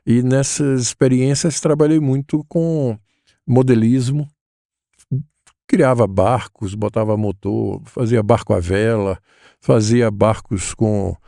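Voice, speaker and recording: A man, a guest recalling his life in a thoughtful, hesitant way with many pauses and fillers. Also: medium pitch, creaky, mellow, no room sound, studio quality. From Salvador, Bahia, Brazil. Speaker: guest, educator. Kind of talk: relaxed interview conversation.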